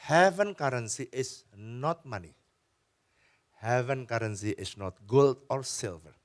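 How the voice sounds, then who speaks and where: A man's voice: medium pitch, takes it slowly. A man preaching a sermon as pastor, telling stories and chatting with the congregation. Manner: animated storytelling, chats with the congregation. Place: church.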